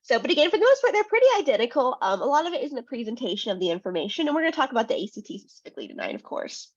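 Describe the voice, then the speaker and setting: A woman's voice: sits high, big pitch swings, very fast, husky, no echo. Sniffly woman tutoring via webinar. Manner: chatty, frequent "um" and "right?". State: sniffly from a cold. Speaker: test prep tutor. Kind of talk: webinar presentation. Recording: dull lo-fi webinar audio.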